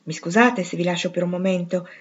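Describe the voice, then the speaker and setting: A woman reading the part of a shy, courteous teenage boy in a storybook, polite and gently teasing. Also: on the low side, steady tone, brisk, lo-fi sound, natural voice.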